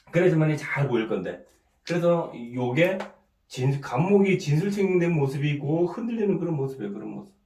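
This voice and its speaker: A middle-aged man with a cold and a sore throat, giving an informal lecture. He keeps asking "right?", clears his throat often and restarts his sentences. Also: fairly high pitch, very animated, unhurried, distant mic. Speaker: saju fortune-telling teacher. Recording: echoey room, voice set back from the mic.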